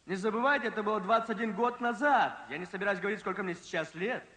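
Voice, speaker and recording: A man preaching a sermon, telling a story with emphasis, slowing down and dropping low at dramatic moments. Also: bright, forceful tone. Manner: emphatic, slows and drops pitch for drama. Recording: long reverb from a large hall.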